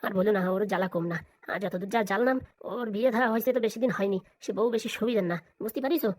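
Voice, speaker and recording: A man voicing a bossy, impatient middle-aged husband in a cartoon, gossipy and hurried. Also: high-pitched, dry recording, pitched below the performer's own voice, close to an everyday voice.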